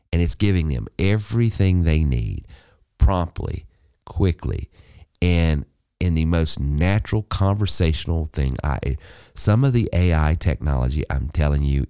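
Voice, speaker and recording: A man's voice: extremely low pitch, dark tone, no echo, clean studio sound. A man hosting a business podcast, talking emphatically and persuasively in repeated listing phrases. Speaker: podcast host. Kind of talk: solo business podcast monologue.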